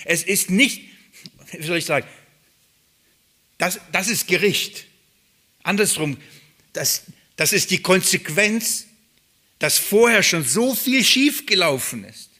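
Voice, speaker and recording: A man's voice: fairly high pitch, sharp tone. A man preaching an expository sermon, asking rhetorical questions and pressing his points with emphatic, searching delivery.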